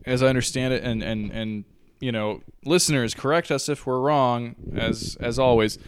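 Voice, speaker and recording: A man with a smooth baritone co-hosting a podcast, chatting casually about history in an informal, sweary, self-deprecating way. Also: fairly even intonation, normal speed, slight background noise. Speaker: podcast co-host. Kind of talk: casual chat, joking history discussion.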